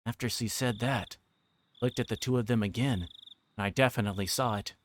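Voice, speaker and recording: A man's voice: mid-range voice, a little fast. A man reading a visual novel aloud on a livestream, narrating with occasional stumbles over words. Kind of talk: livestream read-aloud narration with character voices. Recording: clearly noisy background with clicks.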